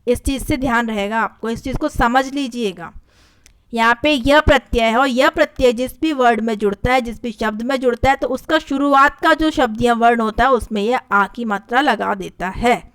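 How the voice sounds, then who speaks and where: A woman teaching a spelling lesson for an exam, her voice smooth and clear and pitched a little high. She goes over each correction patiently and repeats it to make it stick. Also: normal speed, fairly bright tone. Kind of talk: exam-prep grammar lesson.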